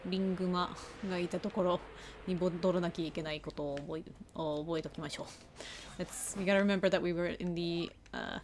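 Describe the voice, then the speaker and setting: Fast-talking bilingual woman gaming. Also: fairly low pitch, fairly even intonation, a little hiss or hum. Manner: switches between Japanese and English, restating each line; chatty, answers chat while playing. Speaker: bilingual game streamer. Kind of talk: casual live gameplay commentary.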